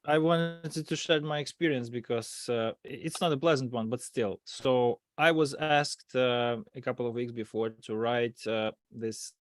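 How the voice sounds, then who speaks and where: A man's voice: medium pitch, unhurried, few pauses. A man, an English speaker, telling things casually as an expert panelist. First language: not English. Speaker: podcast panelist, cybersecurity expert. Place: remote online call.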